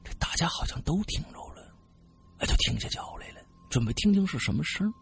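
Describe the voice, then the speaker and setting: Gravelly man telling a ghost story. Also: on the high side, a little fast. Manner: animated, dramatic storytelling. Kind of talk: casual spoken ghost story.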